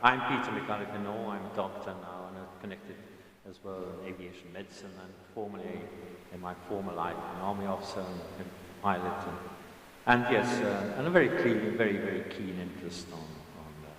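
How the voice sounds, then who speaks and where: In an echoey hall, a man in his seventies speaks from far off without a microphone, an audience member offering a rambling, digressive comment at a lecture. His voice is low-pitched with a fairly bright tone, and he halts often, restarting and slipping into asides. Slight background noise is audible.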